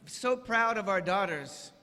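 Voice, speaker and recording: An older man, a visiting church elder, preaching in short phrases and pausing for an interpreter. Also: high voice, expressive, pushed and bright. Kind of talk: guest sermon with live interpreter. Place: church sanctuary. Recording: church hall reverb.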